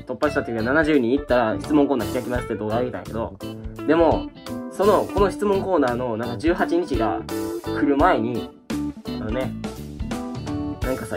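A young man with a Kansai accent hosting a casual question-and-answer vlog, rambling with many fillers and restarts. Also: medium pitch. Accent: Kansai Japanese. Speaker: YouTube channel host.

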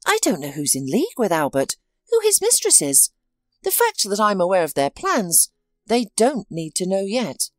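A woman's voice: mid-range voice, sing-song, moderate pace, dry recording, studio quality, soft background music, lightly acted. A woman voicing a shaken, ashamed wife who speaks in an anxious, apologetic way in a storybook reading.

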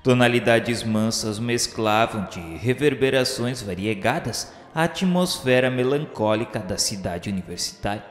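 A man reading a radio novela narration in a solemn, florid, measured literary style. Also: medium pitch. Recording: echoey long reverb over music. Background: music.

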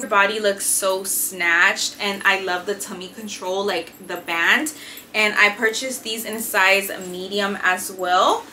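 A woman's voice: medium pitch, bright, forceful tone, a little hiss or hum. A young woman reviewing gym clothes to camera in a small bedroom, chatty and enthusiastic with lots of filler words. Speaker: fitness and beauty vlogger. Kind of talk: casual haul review to camera. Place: small decorated bedroom, indoors.

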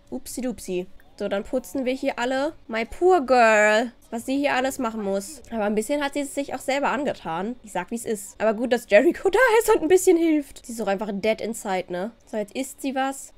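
A woman giving casual let's-play commentary, chatty and exasperated, dropping English words into her talk. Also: mid-range voice. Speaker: gaming YouTuber.

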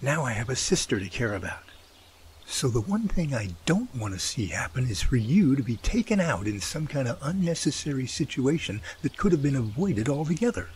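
Radio drama brother played by a man: earnest, protective, folksy, lively pitch swings, some ambient noise behind. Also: moderate pace, close to an everyday voice. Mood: tender, heartfelt.

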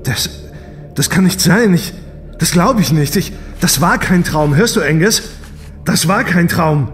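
A man acting as a distraught young space traveller in a sci-fi audio drama. His fairly high voice is halting, confused and emotional, stammering with self-doubt. Music plays clearly behind him. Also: lively intonation. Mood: confused, agitated.

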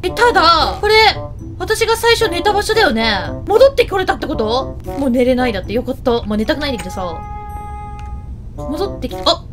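Peppy high-voiced woman commenting on gameplay. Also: animated, fairly quick, music in the background. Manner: chatty, talks to the game character and the viewers. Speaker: game video host.

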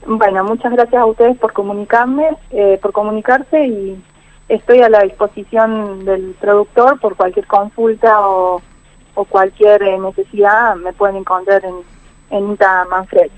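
A woman's voice: medium pitch, fairly even intonation, a little slow, low-quality recording. A woman agronomist, answering radio interview questions over the phone with many fillers and restarts. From Argentina. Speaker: agronomist guest.

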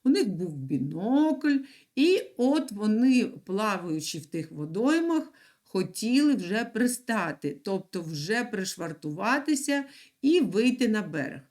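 A woman teaching young children in an online lesson, speaking slowly and clearly and repeating words for them to write down. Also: mid-range voice, sing-song, darkish tone. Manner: patient, slow and clear, repeats words for dictation. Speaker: primary school teacher.

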